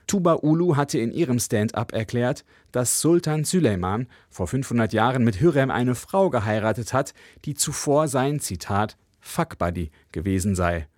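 A man reporting for radio as a correspondent, with measured, even delivery. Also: mid-range voice, dry recording, clean studio sound. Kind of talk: news report.

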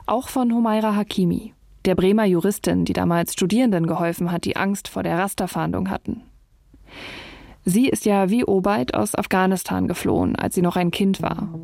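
A woman journalist narrating a documentary report in a calm, measured, scripted way. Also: mid-range voice, creaky, dry recording, clean studio sound. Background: faint music.

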